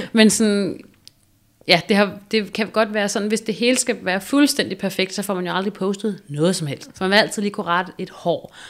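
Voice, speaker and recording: In a very clean recording with a silent background, a woman with an ordinary speaking voice talks at a medium pitch and moderate pace with ordinary pitch variation. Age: 30s. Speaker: Instagram influencer. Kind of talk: casual interview. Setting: at the guest's home.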